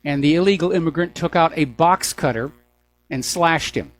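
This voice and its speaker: An older American man hosting a political news talk show, speaking in an opinionated monologue with deliberate, pause-broken phrasing. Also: on the high side. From United States.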